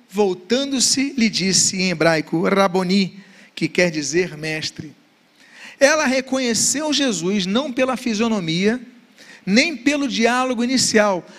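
A man's voice: high-pitched, a bit bright. A man giving a Bible study lecture, reading scripture passages aloud and posing rhetorical questions. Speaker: Bible teacher.

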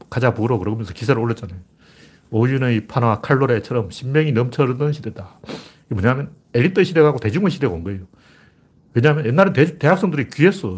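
Older guy with a husky voice just rambling blunt and rough, casual monologue. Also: mid-range voice. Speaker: commentator. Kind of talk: casual spoken commentary monologue.

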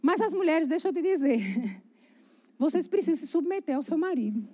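Woman preacher, high voice, animated and chatty storytelling sermon. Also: normal speed. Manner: animated, chatty, addresses the congregation directly.

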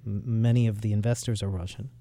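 A man hosting an interview, asking probing questions in a halting, conversational way. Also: on the low side, little pitch movement, mellow, slight background noise. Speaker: interviewer, host.

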